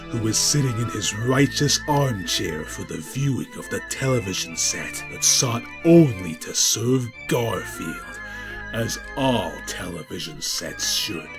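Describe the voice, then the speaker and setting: A man's voice: medium pitch, gravelly. A man delivering scripted narration in a pompous, overwrought mock-epic style, as a grandly dramatic storyteller. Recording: music behind the voice. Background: prominent music.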